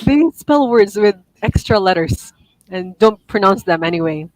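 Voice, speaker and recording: A woman teaching an online one-on-one IELTS lesson, giving gentle corrections and apologizing for her own slips. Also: mid-range voice, lively intonation, normal speed, no room sound, poor audio.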